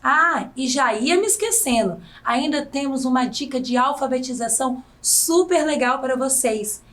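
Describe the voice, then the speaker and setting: A woman's voice: sits high, animated, normal speed, fairly bright tone. A woman with a Brazilian accent presents a recorded science lesson in a scripted, teacherly way, putting quiz questions to her students. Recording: voice a bit distant from the mic.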